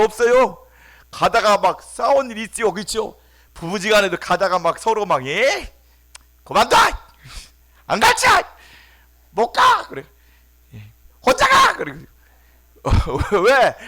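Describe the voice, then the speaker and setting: A man's voice: high voice, fairly bright tone. A man preaching a Sunday sermon as pastor, emphatic and prompting the congregation to answer back. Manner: emphatic, calls for congregation responses, acts out quoted voices. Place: church sanctuary.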